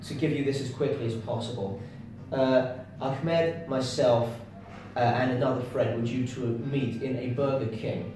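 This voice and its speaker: A man with an English accent at a moderate pace, fairly even intonation and long, frequent pauses, with audible room echo and noticeable background noise. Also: medium pitch for a man. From England. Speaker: language teacher. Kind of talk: casual chat.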